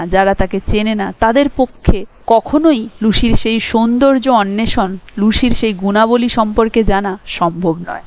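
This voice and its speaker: A woman's voice: fairly high pitch, dry recording, lo-fi sound. Bengali woman teaching a poem. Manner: explanatory, asks rhetorical checks, slows to read lines aloud. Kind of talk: exam-prep poetry lecture.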